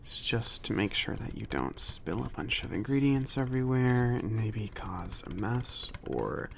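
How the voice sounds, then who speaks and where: Soft, slow, creaky-voiced man playing a friendly mage. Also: lowish voice, animated, slight background noise. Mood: helpful, relaxed. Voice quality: soft, breathy, often near-whispered. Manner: hesitant, halting, casual. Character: friendly, awkward mage shopkeeper explaining alchemy. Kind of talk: ASMR roleplay.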